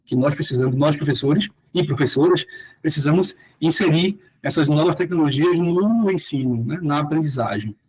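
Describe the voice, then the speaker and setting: A man from Salvador, Bahia, presents his philosophy research at a moderate pace in a somewhat high yet darkish, slightly rough voice with a Bahian Brazilian Portuguese accent. The teacher's academic talk is hesitant and full of fillers, broken by formal passages he reads out, in a low-quality recording.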